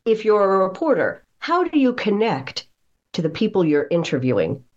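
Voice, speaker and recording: Her mid-range, darkish voice swings widely in pitch at a moderate pace as this woman, a voice coach appearing as an interview guest, explains instructively and stresses key phrases. The audio comes across slightly muffled and dull.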